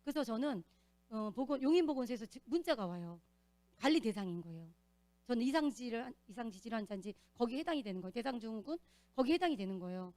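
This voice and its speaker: A woman giving an earnest, animated testimony as a church deacon, telling her story in a church. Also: a little high, quick pace, dry recording.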